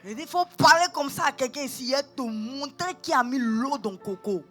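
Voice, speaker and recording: Woman pastor with a Gabonese French accent, high-pitched, animated and dramatic, soft music underneath. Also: moderate pace. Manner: animated, acts out quotes, switches between calm and shouting. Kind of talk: sermon with personal storytelling. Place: church.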